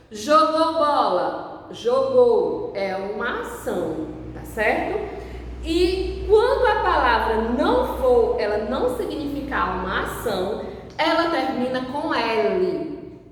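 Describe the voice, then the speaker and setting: A woman's voice: a little high, very animated, a little hiss or hum. A Brazilian woman teaching a children's class, patiently over-pronouncing sounds and words for the pupils. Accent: Brazilian Portuguese. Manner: slow, patient, over-enunciated demonstrations. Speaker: primary school teacher. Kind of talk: recorded remote lesson. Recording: echoey room, voice from a distance.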